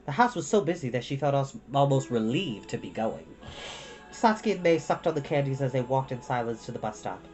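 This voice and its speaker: A woman narrates a storybook in a low voice with lively, expressive intonation. Faint music plays behind her reading. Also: a little fast, poor audio. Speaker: storytime reader.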